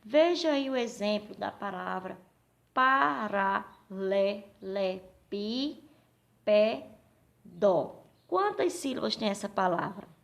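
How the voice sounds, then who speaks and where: A woman teacher with a Brazilian accent gives a recorded lesson for young children, slowly asking questions and answering them herself. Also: medium pitch, sing-song, vocal fry. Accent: Brazilian Portuguese. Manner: slow, patient, asks questions and answers them.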